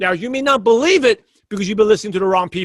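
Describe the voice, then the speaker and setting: A man talks in a New York accent with a passionate tone. His pitch is high, with ordinary variation. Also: dry, close sound with no echo. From US Northeast, Brooklyn, New York. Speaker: network marketing trainer. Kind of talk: webinar talk. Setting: webinar call. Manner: fast; passionate, direct.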